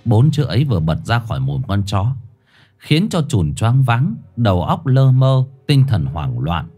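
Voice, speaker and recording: A man narrating a ghost story in a dramatic, animated way. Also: medium pitch, measured pace, breathy edge, soft background music.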